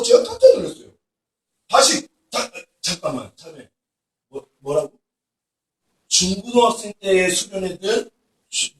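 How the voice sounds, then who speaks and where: 남자 목사가 학생들에게 생생한 이야기를 섞어 가며 부흥회 설교를 하고, 중간중간 힘주어 외치듯 강조합니다. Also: male voice, sits high. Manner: animated storytelling with emphatic outbursts. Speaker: pastor. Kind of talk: revival sermon to students. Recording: echoey hall from far off.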